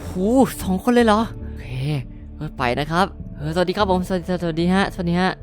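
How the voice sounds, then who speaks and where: A woman's voice: lowish voice, fairly quick, faint music behind, natural voice. Brief: woman voicing a jittery, good-hearted teen boy, polite and stammering. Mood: flustered. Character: nervous kind-hearted teenage boy hero. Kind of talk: game cartoon voice acting.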